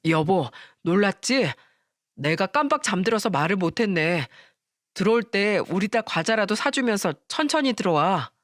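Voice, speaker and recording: A woman's voice: mid-range voice, very animated, moderate pace, no echo, studio quality, close to an everyday voice. A woman voicing an adult husband who firmly pushes back against his mother and defends his wife. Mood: gentle. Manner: pleading, firm.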